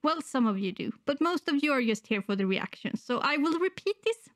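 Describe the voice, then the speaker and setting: A woman's voice: high-pitched, lively intonation, brisk, no echo. A middle-aged woman who is sick and slightly wheezy, chatting casually and hesitantly to camera as a reaction channel host, close on a desktop microphone. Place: indoors, small room at home.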